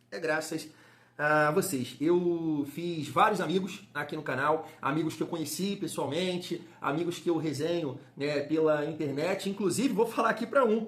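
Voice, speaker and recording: Speaking at a moderate pace, a man uses a fairly high pitch with ordinary variation, with noticeable background noise behind him. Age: 30s. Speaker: football fan channel host. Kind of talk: casual vlog talk to viewers.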